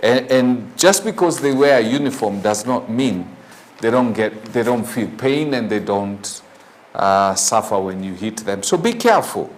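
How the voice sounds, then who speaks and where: A man with a Kenyan accent hosting a morning show, reading news in a halting, opinionated way with rhetorical questions. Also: fairly low pitch, animated, a little hiss or hum. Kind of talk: newspaper review with off-the-cuff opinion.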